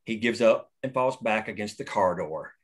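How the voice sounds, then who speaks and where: A man reading the stage directions aloud at a script table read in a steady, plain way. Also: lowish voice, normal speed, breathy edge.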